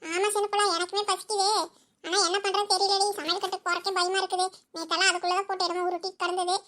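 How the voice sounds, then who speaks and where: A very high, bright, rapid cartoon voice of a fretful village aunt, put on by a performer. She scolds and chatters. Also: little pitch movement. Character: fretful village aunt, middle-aged woman. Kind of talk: cartoon voice acting.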